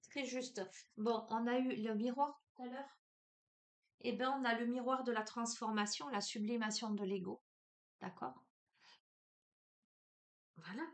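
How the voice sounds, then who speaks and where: Woman, Marseille accent, slightly high voice, casual spiritual guidance, hesitant, chatty. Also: a bit bright. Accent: Marseille French. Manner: chatty, hesitant, many fillers, addresses listener as tu. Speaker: spiritual card reader.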